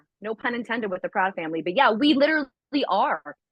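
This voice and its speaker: A woman with an American accent speaks at a fairly high pitch and a fairly quick pace. Her tone is animated and her intonation lively. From New York, Manhattan. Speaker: actress and voice actress. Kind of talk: interview conversation.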